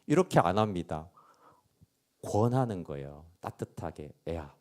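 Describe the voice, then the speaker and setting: A man preaching a sermon as pastor, asking his listeners rhetorical questions and dropping to soft asides between stronger points. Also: medium pitch, very animated, normal speed. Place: church sanctuary.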